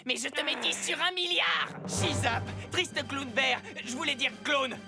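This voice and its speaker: A high, cheeky cartoon superhero. The delivery is theatrical and full of banter, over loud music. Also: female voice, unhurried, creaky. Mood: taunting. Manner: theatrical, bantering, shouted gadget calls. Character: cheeky superhero in skirt and their dark-side clone. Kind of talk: French-dubbed animated cartoon acting. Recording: loud music bed behind the voice.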